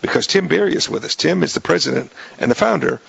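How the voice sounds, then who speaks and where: A man hosting a radio talk show in a casual, joking way, his voice raspy, often restarting his sentences. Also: on the high side, expressive, quick pace, dry recording. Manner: jokey, rambling with many restarts.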